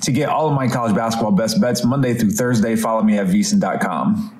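Analyst guy giving his bet, lowish voice, echoey room. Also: a little mellow. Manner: brisk, plain delivery of a betting pick. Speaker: betting analyst. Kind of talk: recorded pick segment.

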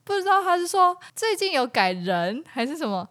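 Lively Taiwanese woman telling a story. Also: high-pitched, moderate pace. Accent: Taiwanese Mandarin. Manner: animated storytelling with laughs and acted quotes. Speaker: podcast co-host. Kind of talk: casual comedic chat.

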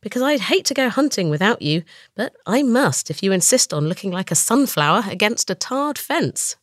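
A woman voicing an impatient hunter from a storybook, speaking in a brisk, coaxing way. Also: medium pitch, big pitch swings, dry recording, clean studio sound. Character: impatient hunter man, the leopard's friend.

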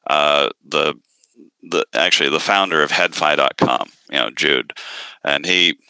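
A man's voice: very deep voice, measured pace, vocal fry, pushed and bright, smooth, no echo, rough recording. A man, an audio company founder, talking casually in an interview, hesitant with many fillers and restarts.

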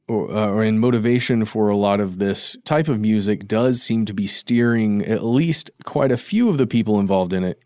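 A man's voice: lowish voice, a little mellow, no room sound, studio quality. A man co-hosting a podcast, talking things through in a casual, thoughtful way and qualifying his points. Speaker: podcast co-host. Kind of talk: casual discussion.

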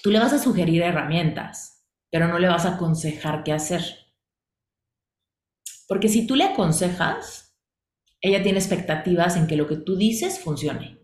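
A woman coach teaches a class, stacking questions and repeated phrases to drive each point home. Her voice sits slightly low. It rings in an echoey room. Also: big pitch swings, moderate pace, pauses often, a little mellow. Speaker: coaching instructor.

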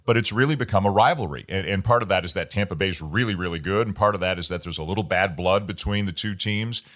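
A man hosting an interview, asking long, measured questions. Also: deep voice, fairly bright tone. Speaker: podcast host and baseball play-by-play announcer.

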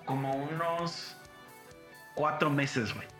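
Bright Mexican man telling stories. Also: a little high, slow pace. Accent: Mexican Spanish. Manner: crude slangy storytelling, acts out quotes. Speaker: podcast host. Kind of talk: casual chat. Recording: roomy room with music behind.

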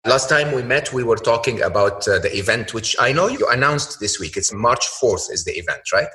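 A man's voice: medium pitch, lively intonation, moderate pace, bright, forceful tone, a little hiss or hum. A man hosting an interview podcast, moving between scripted introduction and conversational questions. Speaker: podcast host.

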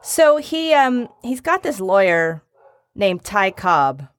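A woman co-hosting a casual comedy chat, jokey and animated, slipping into silly voices. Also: medium pitch, takes it slowly, no room sound, studio quality. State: recovering from a lost voice. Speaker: podcast co-host. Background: dog barking.

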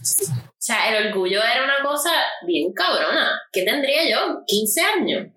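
A woman, chatting casually and telling stories with lots of energy. Her voice is bright, and she slips into English and does the voices of the people she's quoting. She sits some way from the mic, in a room with a noticeable echo. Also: fairly high pitch, a little slow. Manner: animated storyteller, switches into English, acts out voices. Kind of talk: casual chat. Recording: echoey room, mic at a distance.

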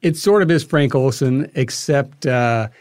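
Male podcast guest, medium pitch, explanatory conversational answers, dry studio recording. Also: a little slow, darkish tone, dry recording. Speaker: interview guest, filmmaker.

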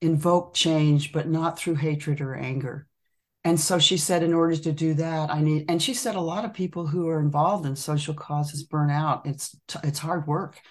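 Measured, storytelling woman guest. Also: sits low, fairly even intonation. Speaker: podcast guest, author. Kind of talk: casual conversation.

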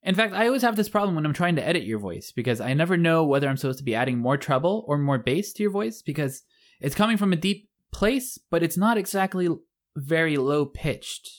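Lively young man co-hosting. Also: brisk. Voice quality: fairly high-pitched voice. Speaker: podcast co-host. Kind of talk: casual chat.

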